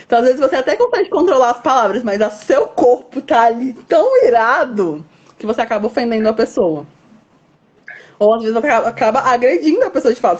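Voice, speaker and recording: A woman's voice: fairly high pitch, breathy edge, muffled recording. A woman hosting a casual online conversation, explaining at length with everyday examples. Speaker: host. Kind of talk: casual chat.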